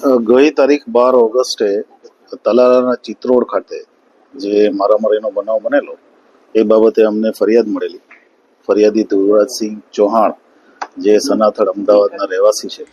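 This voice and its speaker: Low-voiced male officer, formal and halting, dull lo-fi sound. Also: level tone, darkish tone, slightly rough. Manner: measured, formal, with frequent hesitations. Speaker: police officer giving a statement. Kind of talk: official press statement.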